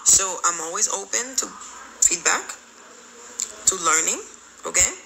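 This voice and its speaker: A woman's voice: lowish voice, animated, measured pace, vocal fry, noisy background. A woman in her thirties with a Haitian accent, hosting a live stream and chatting as she reads viewer comments, switching between English, Creole and French. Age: 30s. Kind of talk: casual live-stream chat reading comments. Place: small room indoors. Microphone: phone held close.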